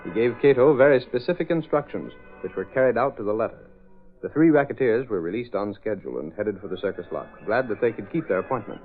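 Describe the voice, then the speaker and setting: A male narrator telling a story in crisp, dramatic 1930s radio style. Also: on the low side, lively intonation, fast, music in the background. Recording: tinny lo-fi old radio transcription.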